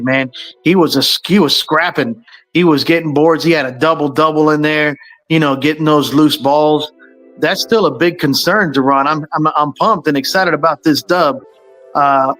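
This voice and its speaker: A man's voice: a little high, fairly bright tone. A man hosting a casual sports talk show, rambling with lots of fillers and restarts. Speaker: sports podcast host.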